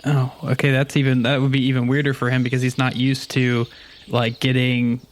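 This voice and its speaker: A man narrates his character in a tabletop role-playing game. His talk is casual and rambling, explaining things as he goes. The pitch stays in a narrow, even band. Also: a little fast, a little hiss or hum.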